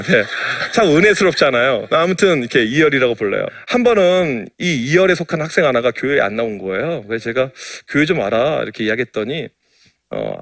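Middle-aged pastor telling funny stories. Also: male voice, mid-range voice, a bit bright. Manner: playful, self-mocking, anecdotal. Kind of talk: humorous sermon storytelling.

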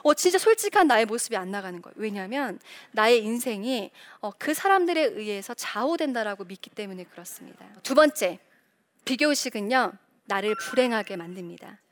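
Animated middle-aged woman giving a faith talk. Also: fairly high pitch, a little fast. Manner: animated, acts out quoted voices; frequent rhetorical questions. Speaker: Christian speaker, former reporter. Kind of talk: faith-based motivational talk.

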